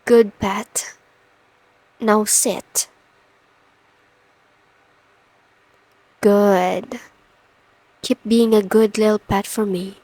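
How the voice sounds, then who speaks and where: A woman plays a dominant lady boss in an intimate ASMR audio roleplay. She speaks slowly and deliberately, teasing and coaxing with calm command. The sound is dry, with no room around it. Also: medium pitch, dry recording, low-quality recording. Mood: commanding, composed. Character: confident, teasing, dominant female boss in a suit.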